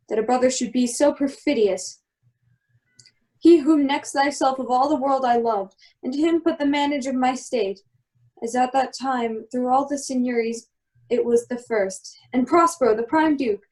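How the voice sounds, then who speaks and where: For an amateur radio play, a woman plays a commanding exiled magician who is also a protective father, reading Shakespearean verse in a measured, solemn way. Her voice is high-pitched, a little mellow and close to everyday speech, and the audio quality is poor.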